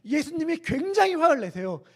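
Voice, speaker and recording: High, lively-voiced male pastor preaching. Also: fairly quick. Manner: conversational, asks the congregation questions. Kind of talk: expository sermon. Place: church sanctuary.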